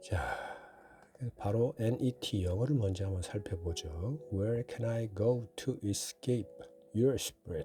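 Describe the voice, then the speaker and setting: Speaking very slowly with long, frequent pauses, a man has a medium pitch and ordinary pitch variation. His dark, mellow tone is somewhat breathy. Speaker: pastor. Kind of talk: bible devotional teaching. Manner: breathing differs.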